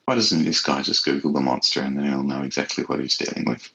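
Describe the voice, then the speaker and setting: A man talking reflectively as a guest author in a casual interview, thoughtful and halting as he searches for words. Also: rumbling low, steady tone, vocal fry, fairly bright tone. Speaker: horror author being interviewed.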